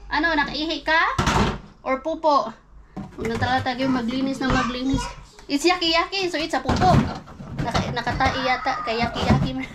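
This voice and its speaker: High-voiced playful Filipina mom. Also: female voice, reverberant. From Philippines. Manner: playful, coaxing, laughs often, mixes Tagalog with English. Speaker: mother vlogger. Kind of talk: casual home vlog talk with a toddler. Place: home bathroom. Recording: home recording with clear water and bathroom noise.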